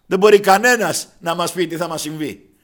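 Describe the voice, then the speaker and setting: Man, preacher, high-pitched voice, sermon storytelling, addresses listeners as brothers. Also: fairly bright tone. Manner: acts out dialogue in quoted voices.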